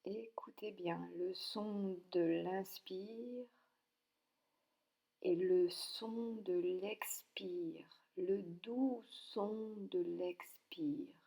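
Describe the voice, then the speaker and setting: A woman leading a guided yoga nidra relaxation, speaking calmly and softly with long pauses between short instructions. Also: mid-range voice, creaky. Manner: calm, soothing, with long pauses.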